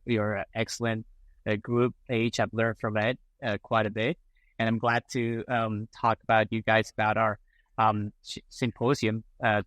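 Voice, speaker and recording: A man's voice: on the low side, fairly bright tone, no echo, low-quality recording. A middle-aged man from Colombia, a prosthodontist guest on a podcast, talking casually with many fillers and restarts. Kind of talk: casual interview talk.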